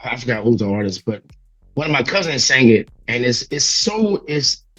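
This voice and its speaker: A man in his thirties from Louisiana with a raspy voice, chatting casually and reflectively as an interview guest. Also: medium pitch, very animated, moderate pace, fairly bright tone, no echo, faint music behind, low-quality recording. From Louisiana, United States.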